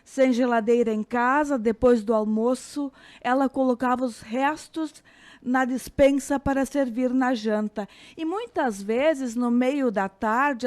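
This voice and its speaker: A woman with a Brazilian accent giving a calm, reflective scripted radio commentary, slowing down on key phrases. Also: on the high side. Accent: Brazilian Portuguese.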